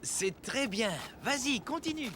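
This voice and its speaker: A man voicing a gentle, patient, encouraging young boy's father in a children's cartoon. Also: very high voice, lively intonation, measured pace, loud music behind the voice. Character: Caillou's dad, gentle patient cheerful father.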